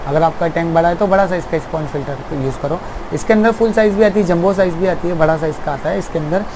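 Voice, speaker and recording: A man's voice: fairly high pitch, quick pace, background noise. A young man who runs an aquarium shop, explaining at length in a casual, repetitive way, seated in his small shop.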